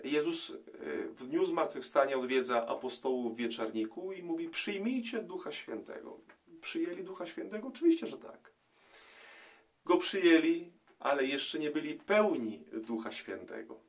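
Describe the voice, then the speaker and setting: A middle-aged man, a priest, giving a reflective gospel commentary to camera in a small room, pausing often with hesitation sounds. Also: fairly high pitch, expressive. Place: small indoor room, plain wall.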